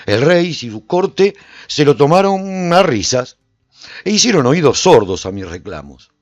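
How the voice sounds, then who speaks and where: A man playing a proud lone warrior who recounts his adventures in a theatrical, expressive first-person radio drama style. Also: mid-range voice, no room sound. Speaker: narrator and lead actor of a radio serial.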